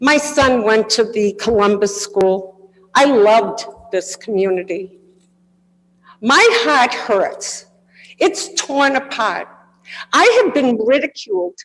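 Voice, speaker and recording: A middle-aged woman from Medford gives public comment at a city council meeting. She has a big, fairly high voice and grows louder and more impassioned as she talks. The sound carries a long reverberation from the council chamber. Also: lively intonation, slow. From Medford, Massachusetts. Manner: loud, impassioned, rising to shouting. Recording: reverberant hall, distant mic.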